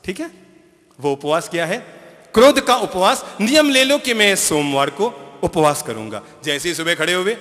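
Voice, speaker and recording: Bright-voiced, emphatic male preacher. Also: high voice, big pitch swings, normal speed, big-room sound. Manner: emphatic, repeats key phrases, asks the audience questions. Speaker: spiritual teacher. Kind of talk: sermon to a live audience.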